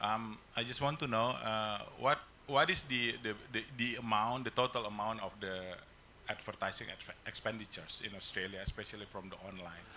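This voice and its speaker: A man speaks at a moderate pace with an Indonesian accent, his pitch fairly low with ordinary variation. Noticeable background noise runs behind him. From Indonesia, Medan (North Sumatra). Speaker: audience member asking questions. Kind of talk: seminar Q&A question. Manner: halting. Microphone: speaking without a working microphone.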